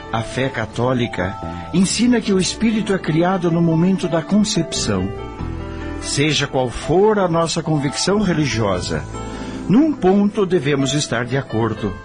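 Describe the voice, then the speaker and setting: An idealistic middle-aged Brazilian husband in a radio drama. He is didactic and persuasive, with very varied intonation over clear background music. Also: a little high. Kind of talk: Brazilian radio soap acting.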